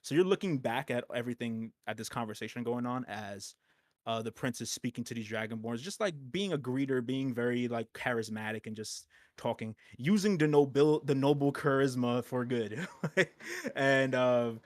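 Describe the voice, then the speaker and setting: A man's voice: medium pitch, normal speed, dry recording, clean studio sound. A man narrating as game master of a tabletop game, rambling with lots of fillers and frequent laughter.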